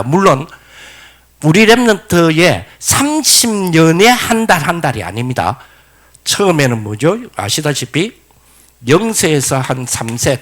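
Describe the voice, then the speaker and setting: A middle-aged man, preaching a lecture-style sermon, asking the congregation questions and acting out quoted voices. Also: medium pitch. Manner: animated storytelling, asks the congregation questions. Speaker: pastor.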